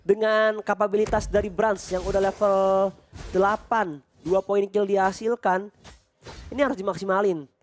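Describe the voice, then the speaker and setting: A man with an Indonesian accent doing excited esports play-by-play in the manner of a fighting game announcer, stretching out key phrases emphatically. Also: high-pitched, moderate pace, slight background noise. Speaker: esports match commentator.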